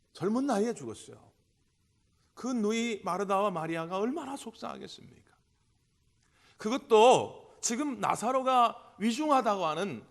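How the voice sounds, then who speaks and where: A male pastor delivering a Sunday sermon, full of rhetorical questions, swinging between loud bursts and quiet passages. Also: sits high. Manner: impassioned, with rhetorical questions and big swings in loudness. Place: church sanctuary. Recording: long church hall reverb.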